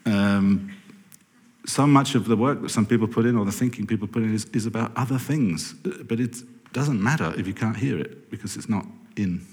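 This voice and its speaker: Speaking briskly with few pauses, a podcast producer with a lowish, slightly mellow voice addresses a lecture hall audience. The room echoes, and his talk wanders, with self-corrections and wry side comments.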